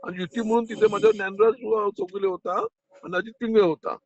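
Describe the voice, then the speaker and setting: A man speaking defensively on a recorded phone call, placating and haltingly repeating himself. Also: high-pitched, steady tone, a little mellow. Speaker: party district contact chief.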